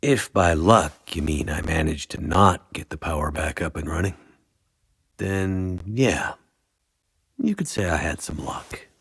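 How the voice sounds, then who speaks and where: An actor playing a weary, reluctant captive pilot in a video game, gravelly and husky, with dry sardonic delivery. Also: male voice, low-pitched, measured pace, a bit bright, no room sound, heavily acted. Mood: wry, guarded. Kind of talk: video game cutscene acting.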